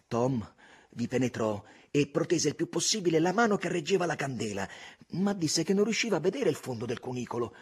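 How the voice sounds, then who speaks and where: Give me a man narrating an audiobook, expressive, with a husky voice. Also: mid-range voice. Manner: expressive, varied storytelling. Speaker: audiobook reader.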